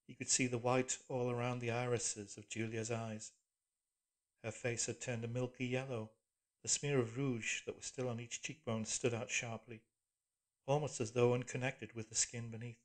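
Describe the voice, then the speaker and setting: A man with a mid-pitched voice reads literary fiction aloud. His delivery is scripted, measured and solemn, as an audiobook narrator. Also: little pitch movement.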